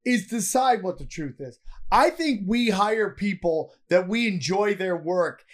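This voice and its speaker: A man's voice: high voice, lively intonation, unhurried. A man co-hosting a casual podcast who mocks his partner, swears heavily and talks over him. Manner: mocking, profane, talks over the other host. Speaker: podcast co-host. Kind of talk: casual debate chat.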